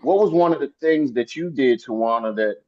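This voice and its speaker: A man's voice: mid-range voice, expressive, brisk. Hype coach guy on a muffled video call, keeps repeating himself, fired up. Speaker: sales coach and meeting host. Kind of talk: hosting a group video call.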